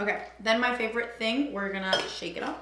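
A woman at a moderate pace with ordinary pitch variation, under loud background noise. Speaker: lifestyle vlogger. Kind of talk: casual tutorial and product review. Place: kitchen. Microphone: camera far.

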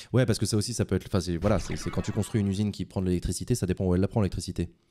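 Over light background noise, a man with a fairly low pitch and a dark, mellow tone talks at a very fast pace. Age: 30s. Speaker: political news streamer. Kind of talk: casual live stream news review. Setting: live stream. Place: home room. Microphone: studio mic.

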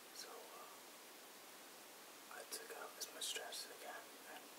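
The speaker is a man. Background noise is loud. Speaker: ASMR creator. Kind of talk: casual talk to camera. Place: home room.

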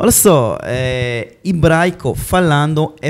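Over faint background music, a man talks with lively intonation. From Israel. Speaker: Hebrew teacher and musician; Hebrew teacher. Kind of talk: TV interview. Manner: halting, many filler hesitations. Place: studio. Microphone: handheld.

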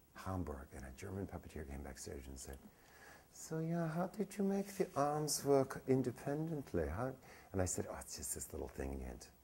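The speaker goes at a moderate pace. Their loudness swings widely from moment to moment. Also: man. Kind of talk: interview answer. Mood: amused, anecdotal. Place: stage.

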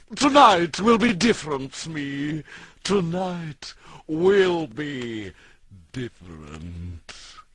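A man puts on a character voice, pitched fairly high, with a pompous, menacing tone. He speaks at a very slow pace.

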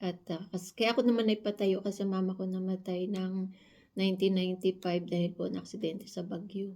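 A woman speaks in a dark, mellow tone at a medium pitch, with flat, monotone intonation. Her pace is fairly slow, and the background is quiet. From Philippines. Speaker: vlogger and domestic worker; vlogger. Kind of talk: personal vlog testimony. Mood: reflective, earnest. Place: home room. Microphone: phone near.

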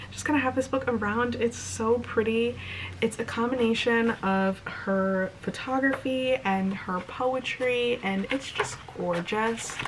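A woman speaks at a fairly slow pace in an animated tone with a fairly high pitch, and noticeable background noise sits behind her. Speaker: book vlogger. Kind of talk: reading aloud; casual vlog chat. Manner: bright, even, storybook-style reading of a back-cover blurb; animated, excitable. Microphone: phone near.

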